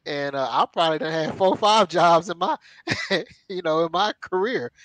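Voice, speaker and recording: A man's voice: a little high, normal speed, fairly bright tone, dry recording, low-quality recording. A man in his thirties co-hosting an interview over a video call, chatting loosely with lots of fillers and asides. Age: 30s. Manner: chatty, rambling with many fillers and laughs. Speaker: co-host. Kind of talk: casual interview chat. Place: home room on a video call. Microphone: headset on a video call.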